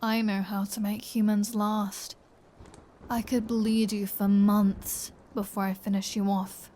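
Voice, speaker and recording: A woman's voice: medium pitch, flat delivery, slow pace, dark tone, natural voice. A woman voicing a flirty, menacing vampire in an intimate ASMR roleplay, teasing and sardonic, often slipping into a whisper. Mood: teasing menace. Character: flirty, menacing female vampire taunting her captive hunter.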